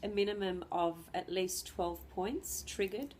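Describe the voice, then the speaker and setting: A woman astrologer with the flu giving an unscripted lesson, clearing her throat and pausing often with ums and restarts. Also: medium pitch, darkish tone, a little hiss or hum. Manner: hesitant, many ums and restarts.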